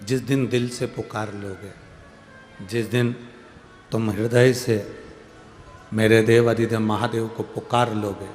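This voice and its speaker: A man's voice: on the low side, level tone, a little mellow. Echoing male Hindu preacher. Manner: emphatic, repeats phrases, drawn-out words for effect. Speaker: Hindu preacher and scripture storyteller. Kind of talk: devotional sermon to a gathering, reading out devotees' letters. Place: large public religious gathering. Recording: echoey large-venue PA with music.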